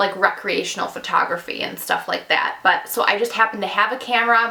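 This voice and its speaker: Speaking with a Western New York accent, a woman talks at a fairly quick pace in a fairly high, fairly even voice. Background noise is noticeable. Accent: noticeable regional Western New York. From Western New York, Buffalo area. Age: 20s. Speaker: beauty YouTuber. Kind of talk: casual Q&A vlog. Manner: casual, filler-heavy.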